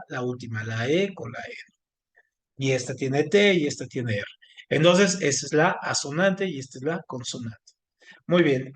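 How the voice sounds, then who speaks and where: A man teaching an online class, speaking haltingly with many fillers and restarts. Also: on the high side. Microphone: video call.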